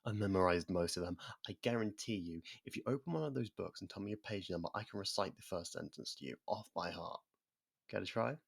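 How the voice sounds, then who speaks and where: Casting: a performer as an ancient sadistic vampire for ASMR roleplay, very low, husky, bored and predatory, theatrical delivery. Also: exaggerated voice. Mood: exasperated, bored. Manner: theatrical, mocking, slipping into slow whispers. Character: sadistic centuries-old vampire, mocking, bored, hypnotically predatory.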